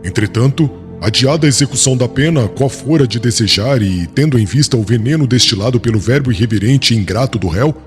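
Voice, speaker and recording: A man playing a proud, vengeful young Jewish prosecutor in an audiobook drama, formal and declamatory, with a husky voice. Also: mid-range voice, quick pace, close to an everyday voice. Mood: stern, indignant. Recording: long cavernous reverb, music underneath.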